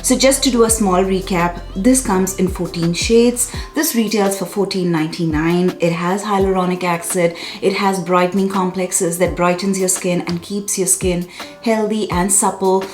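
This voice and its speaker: A woman's voice: lowish voice, fairly even intonation, normal speed, darkish tone, reverberant, faint music behind. A woman in her thirties chatting to camera in a casual beauty review, effusive and often correcting herself. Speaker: beauty vlogger. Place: small bright room indoors.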